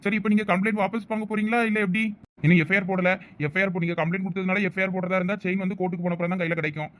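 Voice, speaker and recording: Doing cartoon voice acting, a man plays a chatty middle-aged police officer with a Thoothukudi Tamil accent. His high, slightly bright voice keeps a fairly even intonation as he talks very rapidly, explaining everything in long, chatty stretches.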